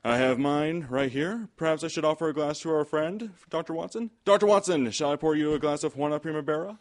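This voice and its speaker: Man playing a higher-voiced, polished radio announcer. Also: fairly quick, lightly acted. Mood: inviting. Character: genial, polished radio host pitching wine to listeners. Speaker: radio announcer and show host. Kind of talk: old-time radio announcing and sponsor pitch.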